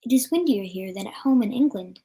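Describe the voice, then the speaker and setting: A woman's voice: mid-range voice, lively intonation, brisk, warm tone, breathy edge. A woman voicing a plainspoken English settler husband while reading a storybook aloud. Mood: matter-of-fact.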